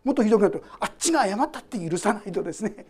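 A woman's voice: medium pitch, lively intonation, racing, a little mellow, breathy edge. A woman pastor preaching a sermon. She reads scripture aloud, explains it, and talks to the congregation directly with questions.

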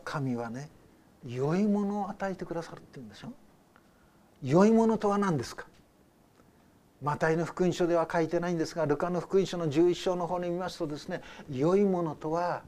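An older male pastor preaching a sermon with a fairly high voice. He talks in a loose, conversational way, telling stories and putting questions to his listeners. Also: darkish tone. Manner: conversational storytelling with rhetorical questions.

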